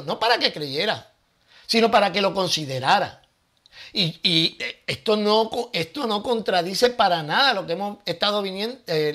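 Man, bright tone, casual bible talk, rhetorical questions, thinks out loud. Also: sits high. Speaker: Bible teacher and channel host. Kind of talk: casual Bible teaching to camera.

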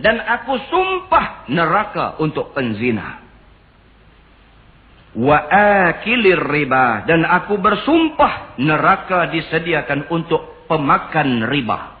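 A male religious teacher gives a sermon, chanting Arabic phrases slowly between stretches of storytelling, in a tinny lo-fi recording. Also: fairly high pitch.

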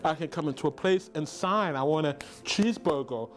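A man's voice: on the high side, fairly quick. A middle-aged man, a cafe customer, speaking emphatically and pleadingly in an interview inside a cafe. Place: indoors in a cafe.

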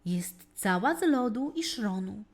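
A woman narrating a children's fairy tale as a storyteller, reading with dramatic, deliberate phrasing. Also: mid-range voice, lively intonation. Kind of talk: scripted narration, expressive bedtime-story reading.

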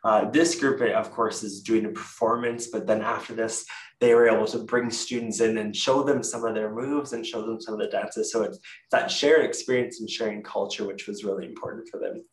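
A man's voice: fairly low pitch, fairly even intonation, normal speed. Canadian man presenting over a roomy call. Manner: casual, self-correcting with frequent fillers. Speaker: university presenter. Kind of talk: virtual info session presentation. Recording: echoey room, distant mic.

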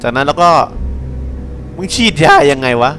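A man's voice: medium pitch, moderate pace, fairly bright tone, slight background noise. A young man giving casual, crude, joking commentary while playing a horror game, talking back at the game. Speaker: gameplay commentator.

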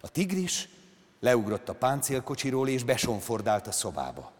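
Man doing a slow dramatic story reading on stage, middle pitch, big echoey hall. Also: huge pitch swings. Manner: measured, slow, dramatic phrasing. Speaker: actor reading literature. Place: large concert hall on stage. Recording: reverberant concert hall.

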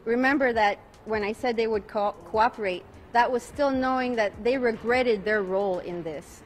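A woman attorney in her forties fields reporters' questions outdoors at night, speaking calmly despite sounding tired and restating every question before answering. Her fairly high voice moves at a normal speed into a cluster of press mics, with a slight hiss or hum present.

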